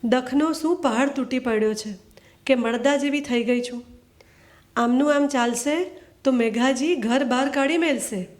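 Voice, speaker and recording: A woman's voice: sits high, a little slow. A woman reading aloud voices a stern older mother who scolds impatiently. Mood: scolding.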